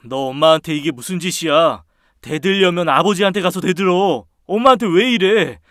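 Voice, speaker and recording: A man's voice: high voice, moderate pace, fairly bright tone, no room sound, studio quality. A man performing male roles in a family drama with stern, scolding delivery. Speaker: voice actor for husband and older brother. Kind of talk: acted drama dialogue.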